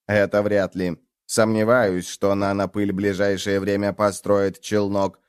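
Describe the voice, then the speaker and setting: A man voicing a calm, formal male machine companion in an audiobook, speaking slowly and officially. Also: fairly low pitch, clean tone, dry recording, clean studio sound, close to an everyday voice. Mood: dry. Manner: slow, formal, flat.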